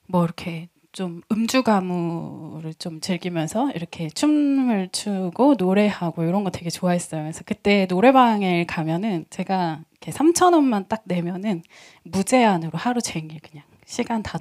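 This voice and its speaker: A woman pastor in her thirties preaching a testimony sermon, telling stories in a lively way, acting out the voices of friends and laughing often. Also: on the low side.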